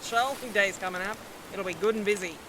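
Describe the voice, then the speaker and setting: A woman's voice: medium pitch, brisk, background noise, close to an everyday voice. A woman playing a hearty sailor at work in a maritime audio drama. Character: hearty seafaring sailor hauling lines. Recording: outdoor scene, loud water and rain ambience.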